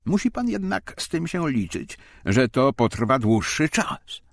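A man's voice: medium pitch, very animated, a little slow, vocal fry, no room sound, pitched above the performer's own voice, heavily acted. A man voicing an officious German police official, formal, courteous and condescending, in an audiobook. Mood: icily polite.

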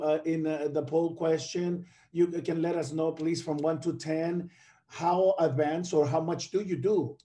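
A middle-aged man from the Dominican Republic giving an online conference talk over a video call, speaking haltingly with many fillers and restarts. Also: fairly high pitch, mellow. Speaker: conference panelist.

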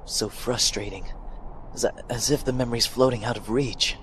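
A man's voice: medium pitch, steady tone, moderate pace, fairly bright tone, a little hiss or hum, close to an everyday voice, low-quality recording. A man voicing an earnest, courteous young male warrior in a fan dub of a game scene. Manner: formal, courteous phrasing.

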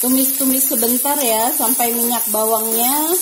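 A woman's voice: fairly high pitch, fairly even intonation, moderate pace, background noise. A woman hosting a home cooking channel, talking through a recipe step by step in a chatty, friendly way. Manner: chatty, step-by-step, adds soft "ya" and "nah". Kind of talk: casual cooking tutorial voice-over.

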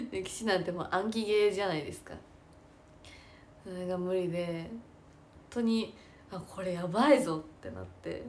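Young woman, casual self-deprecating chat, frequent laughs, mid pitch, faint noise behind. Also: animated, moderate pace, pauses often. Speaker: idol and stage actress.

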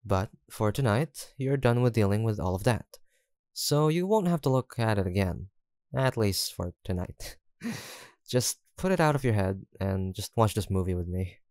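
A man's voice: fairly low pitch, animated, moderate pace, a little mellow, no room sound, clean studio sound, close to an everyday voice. A young man acting an easygoing, teasing, affectionate student roommate in an intimate, casual roleplay audio drama, with hesitant banter. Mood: playful, relaxed. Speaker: voice actor.

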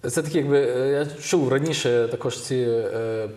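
A male TV host in a relaxed interview, chatty and often seeking agreement with tag questions. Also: mid-range voice, moderate pace, reverberant. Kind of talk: interview conversation.

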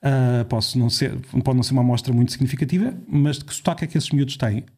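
A man's voice: medium pitch, quick pace, darkish tone, husky. A man with a European Portuguese accent, a podcast guest explaining in casual talk and asking rhetorical questions.

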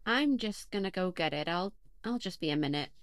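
A woman's voice: lowish voice, animated, brisk, no echo, clean studio sound, lightly acted. An actress playing a young woman podcast host, wry at first and then panicked and sobbing. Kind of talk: audio play acting.

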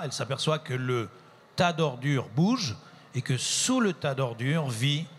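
A man's voice: medium pitch, a bit bright, a little hiss or hum. A man, a playwright, explaining his play at a library talk, hesitant and searching for words. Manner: hesitant, many fillers and restarts when speaking freely.

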